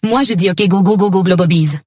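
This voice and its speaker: A man's voice: high voice, fairly quick, darkish tone, no echo, studio quality. A man voicing an overexcited business hustler in a radio ad, hyped and salesy.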